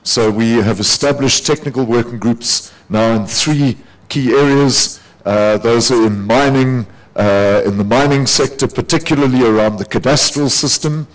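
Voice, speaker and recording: A man with a gravelly voice from overuse, leading a program, gives steady panel remarks with many fillers. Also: mid-range voice, normal speed, rough recording. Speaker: panelist, program team leader. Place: conference hall.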